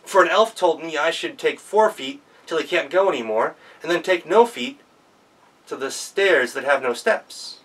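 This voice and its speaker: A man's voice: fairly high pitch, expressive, moderate pace, fairly bright tone, far from the mic, low-quality recording. A man voicing a brave young girl on a quest, talking in an eager, pleading way.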